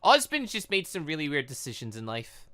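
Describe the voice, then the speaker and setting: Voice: medium pitch, very animated, a little fast, bright, forceful tone. A British let's play host giving casual commentary on a game, rambling and thinking aloud. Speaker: gaming video host.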